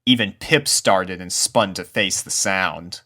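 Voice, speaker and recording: Low-pitched man narrating a spooky story. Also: takes it slowly, pushed and bright. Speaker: narrator, fan fiction reader.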